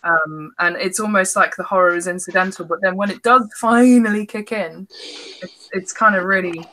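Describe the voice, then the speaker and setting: A woman chatting casually as a podcast guest, candid and emphatic, pausing to restart her thoughts. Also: medium pitch, bright, forceful tone, poor audio.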